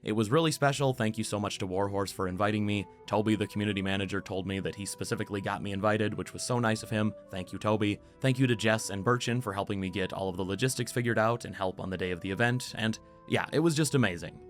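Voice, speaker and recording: A man who is sick and hoarse after losing his voice, giving an upbeat, chatty game preview as a YouTuber. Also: lowish voice, fast talker, few pauses, faint music behind. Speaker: gaming YouTuber. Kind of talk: casual game preview commentary.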